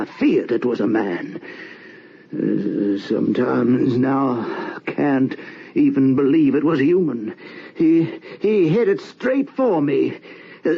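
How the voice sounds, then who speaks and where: A haunted husband confesses his crime in an old horror drama. His delivery is slow and halting, circling back over words, with a creaky edge to the voice. The old recording is dull, with light noise behind him. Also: medium pitch, exaggerated voice. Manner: halting, repeating words, tormented. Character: haunted, guilt-ridden husband confessing his wife's murder. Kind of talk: old-time radio horror drama acting, dramatic monologue.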